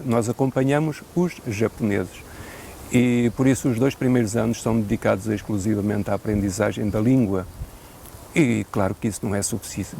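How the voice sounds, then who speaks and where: Portuguese priest with a gravelly voice. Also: male voice, fairly low pitch, warm tone, a little hiss or hum. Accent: European Portuguese. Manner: measured, thoughtful, with hesitant fillers and a dry joke now and then. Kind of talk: unscripted interview answers.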